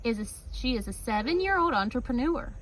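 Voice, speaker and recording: A woman with a slightly high voice reads a children's story aloud in the manner of a teacher. She stretches key words for emphasis and drops in casual asides. There is some faint noise behind her. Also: lively intonation, a little fast, a bit bright, low-quality recording. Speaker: teacher reading a picture book aloud.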